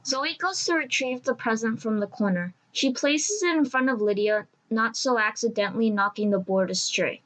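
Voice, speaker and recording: A woman's voice: on the high side, normal speed, hardly any pauses, a bit bright, poor audio. A woman reading scripted narration for an audio drama.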